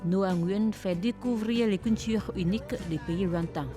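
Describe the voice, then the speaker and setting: Female reporter, mid-pitched, clear read over a music bed. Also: a little slow. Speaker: reporter and interviewer. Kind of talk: news report narration.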